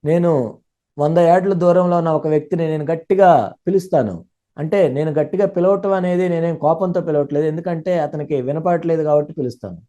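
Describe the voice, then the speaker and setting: A man interprets a sermon live at a rapid clip. His tone is dark and mellow, and his pitch sits a little high for a man. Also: steady tone. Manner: rapid, fluent, running sentences together.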